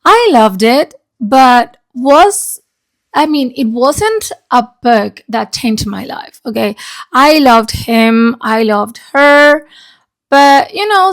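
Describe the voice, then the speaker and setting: A woman giving a casual, chatty book review in an informal, sweary way, her voice grainy and unsteady as she recovers. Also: high voice. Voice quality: unstable, grainy voice. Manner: informal, sweary, often checks in with "okay?". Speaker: book reviewer, video channel host.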